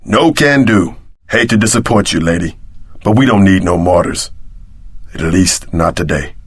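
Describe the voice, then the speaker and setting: A streetwise tough guy from a video game, speaks in a fairly low voice. He is wry and wary, full of slangy wisecracks. The sound is very dry, with no room around it. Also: normal speed, slightly rough, no room sound. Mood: wry, strained.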